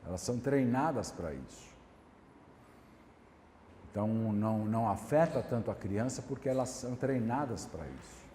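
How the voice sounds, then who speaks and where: A man with a Brazilian Portuguese accent, a pastor and lecturer answering audience questions in a measured way, repeating his points and checking in with the listeners. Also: lowish voice, lively intonation, dark tone. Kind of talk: classroom Q&A answer. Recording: echoey hall, light background hiss.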